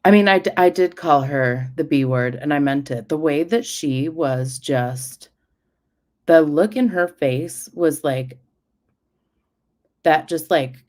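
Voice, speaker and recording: A woman's voice: low-pitched, a little mellow. A woman hosting a casual livestream, rambling and chatty as she drifts from one topic to the next. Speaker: livestream host.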